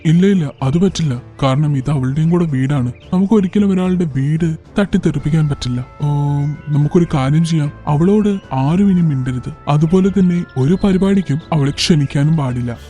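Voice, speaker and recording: A man voicing a good-natured forest animal in a children's cartoon, speaking in a simple, measured manner. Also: a little high, mellow, soft background music, natural voice. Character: trusting monkey; fair-minded animal king of forest.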